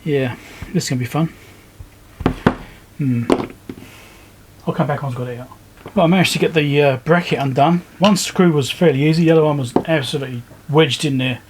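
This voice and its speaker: A man giving casual, low-key commentary as he works, thinking aloud step by step like a repair video host. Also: fairly quick, pauses often, background noise. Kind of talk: casual hands-on commentary while working. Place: indoor repair workbench.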